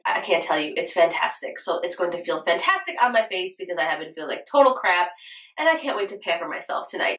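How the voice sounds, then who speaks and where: A young woman with a nasal, hoarse voice from a cold, chatting in a bubbly, gushing way as a beauty vlogger. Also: mid-range voice, pushed and bright. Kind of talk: casual chat. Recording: echoey room, mic at a distance.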